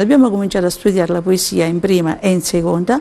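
A woman talking at a very fast pace. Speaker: school teacher. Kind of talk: interview answer. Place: studio. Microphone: lapel.

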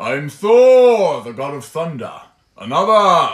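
A man puts on a character voice. It is high in pitch.

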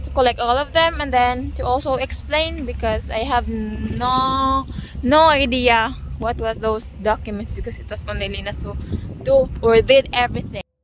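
A woman speaks at a moderate pace with big swings in loudness. The sound is dry with no echo, though noticeable background noise is present. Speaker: vlogger. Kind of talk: casual vlog chat. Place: open country. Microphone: phone near.

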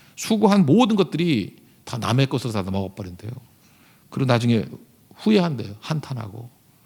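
Speaking at a fairly quick pace with long, frequent pauses, a man with a medium pitch sounds somewhat breathy and makes very wide pitch swings on a very clean recording with a silent background. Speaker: pastor. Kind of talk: sermon.

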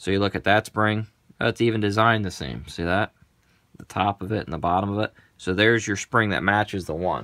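A man's fairly low voice at a moderate pace, with fairly even intonation and a quiet background. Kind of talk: tutorial. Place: garage. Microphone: phone near.

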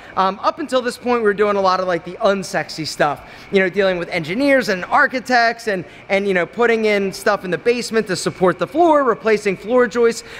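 A man with a high pitch speaks with ordinary pitch variation. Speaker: property owner vlogger. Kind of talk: casual vlog chat. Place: hall. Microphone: phone near.

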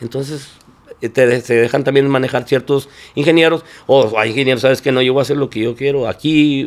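A man speaks at a fairly quick pace. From Nuevo León, Mexico (Apodaca, Monterrey area); Nuevo León, Mexico. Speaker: norteño musician; interview guest. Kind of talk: interview. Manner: halting, frequent repetitions. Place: studio. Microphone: studio mic.

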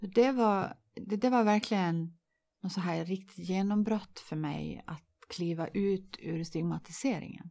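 In a Dalarna accent, a woman with a dark, mellow tone and ordinary pitch variation speaks at a fairly slow pace against a quiet background. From Sweden, Dalarna (near Leksand); Dalarna, Sweden. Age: 50s. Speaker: interview guest sharing life story; interview guest. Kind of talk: podcast interview. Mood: reflective, personal. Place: studio. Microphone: studio mic.

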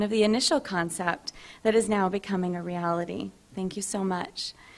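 A woman talks at a fairly quick pace with fairly even intonation in a plain, everyday voice. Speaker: university program director. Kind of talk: formal speaker introduction. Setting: stage with audience.

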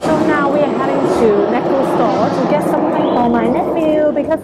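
A woman talks at a moderate pace. Loud background noise is present. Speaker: travel vlogger. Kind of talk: casual talk to camera, vlog. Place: station. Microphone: phone near.

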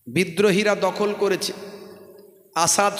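Over noticeable background noise, a man talks in a high pitch with monotone, flat intonation. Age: 40s. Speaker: Islamic preacher. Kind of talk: sermon. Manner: rhetorical, exhorting.

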